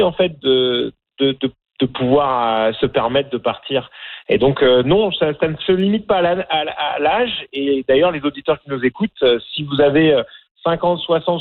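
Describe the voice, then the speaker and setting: A middle-aged man from France speaks with a French accent, his voice sitting a little high for a man. He hesitates a lot, filling pauses and restarting his sentences as a guest in a radio interview. The sound is thin and tinny, as if coming down a phone line. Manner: hesitant, many fillers and restarts. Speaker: documentary filmmaker guest.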